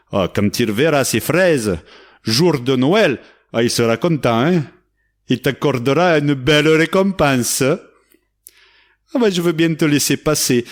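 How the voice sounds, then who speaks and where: A greedy castle gate guard, put on by a male storyteller, gruff at first and then wheedling. He speaks slowly and deliberately, in a middle-pitched voice. He belongs to a cosy radio fairy tale.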